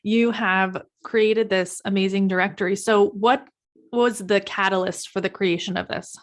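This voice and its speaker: A woman's voice: medium pitch, steady tone, moderate pace. A woman hosting an interview podcast, upbeat and encouraging toward her guest. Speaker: podcast host.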